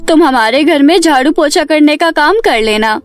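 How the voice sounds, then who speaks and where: A matter-of-fact lady of the house in a cartoon tale, played by a woman. She sounds very high in pitch and businesslike. Music plays faintly behind her. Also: normal speed, close to an everyday voice. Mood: agreeable, businesslike.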